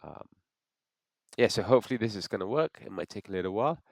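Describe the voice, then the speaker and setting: A man's voice: lowish voice, expressive, fast talker, vocal fry, no room sound, clean studio sound. Congested man walking through a setup. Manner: thinks aloud with frequent restarts. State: congested from a cold. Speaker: software tutorial presenter. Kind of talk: screen-recorded how-to walkthrough.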